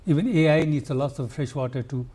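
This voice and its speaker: Speaking with a Nepali accent, this older conservationist answers interview questions in a halting, earnest way, with restarts and fillers. His pitch leans high, yet the tone is dark and a bit rough.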